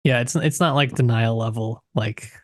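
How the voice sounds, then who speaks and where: A man with a mid-pitched voice co-hosts a book discussion podcast. He speaks casually, qualifying his points and thinking aloud as he goes. The sound is dry, with very little room in it. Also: moderate pace, no echo. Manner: informal, hedging, thinking aloud. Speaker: podcast co-host.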